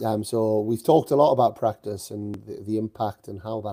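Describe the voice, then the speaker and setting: On a very clean recording with a silent background, a man with a slight Geordie accent speaks at a moderate pace in a fairly low pitch, his tone dark and mellow. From northeast England. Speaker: tennis coach and podcast host. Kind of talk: live stream commentary. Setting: live stream from tournament site. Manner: casual, hesitant with fillers.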